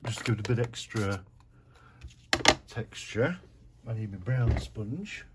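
Slow-talking British man demonstrating crafts. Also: fairly low pitch, heavy background noise. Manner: relaxed, self-mocking, talks himself through each step. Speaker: card-making demonstrator. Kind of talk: chatty crafting tutorial. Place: craft desk indoors.

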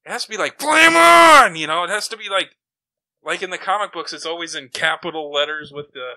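A man co-hosting a podcast, chatting casually in an animated, opinionated way. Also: sits high, brisk, dry recording. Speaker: podcast co-host. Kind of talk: casual chat about comic books and old radio shows.

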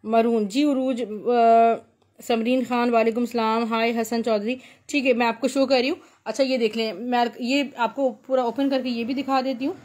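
A woman with a Pakistani accent hosting an informal live shopping sale, pitching repetitively and mixing in English words. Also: steady tone, moderate pace, a little mellow. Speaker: live-sale host selling clothes.

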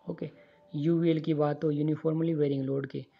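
A man's voice: fairly high pitch, flat delivery, moderate pace, vocal fry, lo-fi sound, soft background music. A man teaching engineering in an online lecture over handwritten notes, drilling formulas and checking in often with his students. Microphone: voice-over on screen recording.

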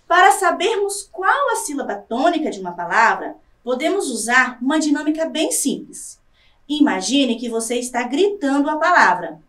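A Brazilian woman teacher gives a scripted televised lesson, dragging out example words to stress their syllables. Her voice sits high and swoops widely. She sounds a bit off-mic in an echoey room. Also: fairly bright tone, far from the mic. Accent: Brazilian Portuguese. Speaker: Portuguese language teacher.

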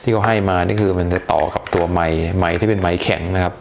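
A man's voice: deep voice, steady tone, fast, vocal fry, slight background noise. A man giving a casual, chatty unboxing review, talking with hesitations and many polite particles. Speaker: tech reviewer.

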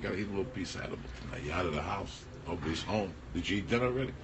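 An older man in his sixties, hosting a casual livestream in a small backstage room, talking loud and profane into a phone held at arm's length. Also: low voice, lively intonation, racing, background noise. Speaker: comedian and podcast host.

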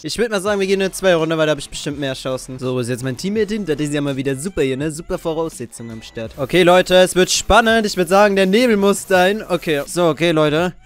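A man's voice: on the high side, fast, few pauses. A young man chatting casually to his viewers as a gaming YouTuber. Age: teenager to young adult. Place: small attic bedroom. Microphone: microphone on boom arm.

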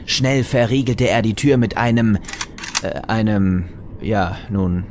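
A man narrating a comic audio drama from a script, dryly, with dramatic pauses. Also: fairly low pitch, fairly even intonation, background noise. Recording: music behind the voice.

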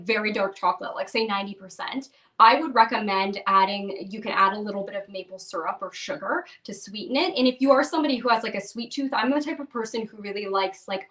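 A woman's voice: fairly high pitch, a bit bright. A young woman giving a live cooking demonstration from her home kitchen, chatty and bubbly with lots of "like" fillers. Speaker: cookbook author demonstrating a recipe. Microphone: video call webcam at a distance. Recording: distant mic in a kitchen.

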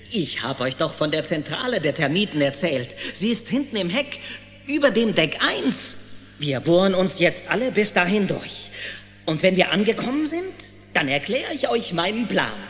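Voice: mid-range voice, fairly bright tone. A performer playing a resolute, dramatic woodworm leader giving orders in a children's audio drama. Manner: commanding, dramatic. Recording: long reverb with music behind.

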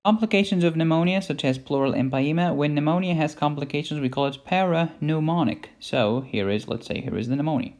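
A man's voice: a little high, fairly quick, hardly any pauses, darkish tone. A man giving an informal medical lecture in a playful, blunt and emphatic way. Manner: playful, blunt, emphatic teaching with mild cursing.

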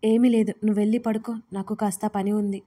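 A woman voicing a young man who gently reassures his upset partner. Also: mid-range voice, flat delivery, fairly quick, slightly rough, natural voice. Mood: calm.

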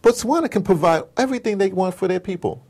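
Guy in an interview going off about politics, super animated, slangy, voice swings all over. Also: high voice, fast talker. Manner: animated, emphatic storytelling, acts out dialogue; informal street slang, rhetorical questions. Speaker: interview guest. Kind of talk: passionate conversational political commentary.

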